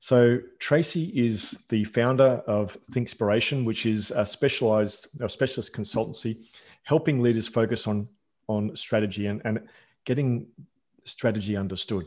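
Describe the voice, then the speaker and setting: This man talks at a moderate pace and medium pitch, captured in a very clean recording with a silent background. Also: ordinary pitch variation. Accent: Australian. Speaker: podcast co-host. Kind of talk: casual interview. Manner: halting.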